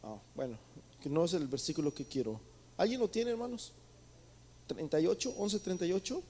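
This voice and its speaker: A man's voice: on the high side, animated, a little fast, mellow, slight background noise. A man preaching a sermon, rising to emphatic peaks and calling his listeners brothers. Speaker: pastor.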